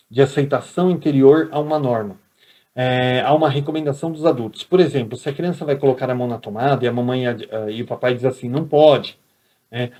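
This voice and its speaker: A man's voice: mid-range voice, a little mellow. A man with a Brazilian Portuguese accent giving a recorded lecture as a teacher, talking conversationally and often checking in with his listeners.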